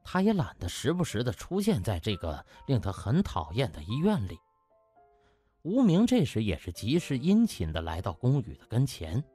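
A man tells a story as an audiobook narrator with a very animated, swinging pitch. His voice is husky and the delivery is dramatic and scripted. Music plays softly behind him. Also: moderate pace.

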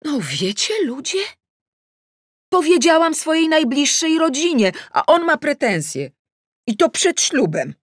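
A woman acting a flustered, indignant middle-aged bride-to-be, swooping high. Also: big pitch swings, measured pace, no echo, studio quality. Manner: emotional, exclaiming, self-justifying. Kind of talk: acted audiobook dialogue.

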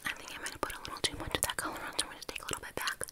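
A young adult woman in a whispered role-play as an ASMR face painter, breathy and very close to the mic, with tingly wet mouth sounds. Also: rapid-fire. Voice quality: breathy, soft, unvoiced whisper. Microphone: close studio mic with fluffy windscreen.

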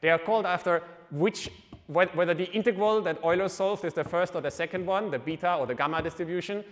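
A man giving a university lecture in a large hall, explaining informally with wry asides and quick self-corrections. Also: high voice, a bit bright. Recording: long lecture-hall reverb.

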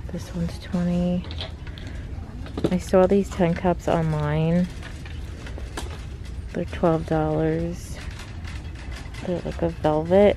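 A woman's voice: on the low side, warm tone. A woman giving casual, chatty shop-with-me commentary, thinking aloud as a vlogger inside a store. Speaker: shopping vlogger. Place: inside a large retail clothing store. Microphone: handheld camera mic, speaker behind camera. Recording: faint background noise, store ambience.

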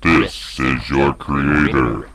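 A man voicing an all-powerful creator god whose voice is unnaturally deep and slow, delivering a grand, mocking proclamation. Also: steady tone, fairly bright tone, heavily acted. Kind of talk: scripted monologue for an animation.

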